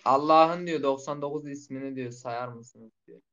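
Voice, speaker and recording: A woman's voice: very deep voice, normal speed, fairly bright tone. A woman calling in over a bad connection that keeps breaking up, relaying a child's questions. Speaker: caller. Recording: muffled faint online call audio.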